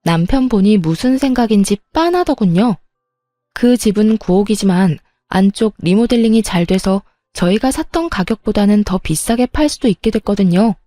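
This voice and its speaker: Mellow woman narrating a story. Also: mid-range voice, normal speed, no room sound. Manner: even, first-person recounting. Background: faint music.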